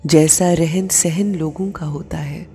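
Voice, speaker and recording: A woman leading a guided meditation and prayer, speaking softly in short, measured phrases with long pauses. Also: low voice, fairly even intonation. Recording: long reverb with music bed. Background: music.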